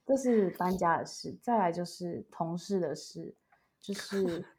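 A woman's voice: fairly low pitch, a little slow, darkish tone, a little hiss or hum. A young woman co-hosting a casual podcast, telling a story animatedly and acting out what others said. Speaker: podcast co-host. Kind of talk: casual chat.

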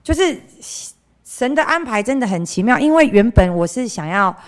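This young church member from central Taiwan talks through her testimony in a sing-song, fairly high voice at a moderate pace, with a Taiwanese Mandarin accent. Her manner is candid and chatty; she often drifts off with filler phrases and performs the voices of people she quotes.

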